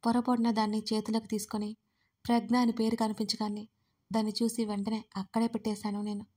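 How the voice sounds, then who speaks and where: A woman's voice: a little high, flat delivery, fairly quick, mellow, slightly rough. A woman telling a dramatic audio story in the first person, as scripted narration.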